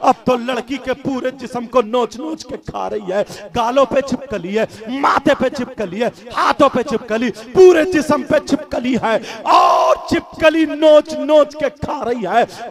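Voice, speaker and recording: Male preacher, very high pitch, slow shouted dramatic sermon delivery. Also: creaky. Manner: shouted, dramatic storytelling with repeated lines. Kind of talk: fiery Islamic sermon.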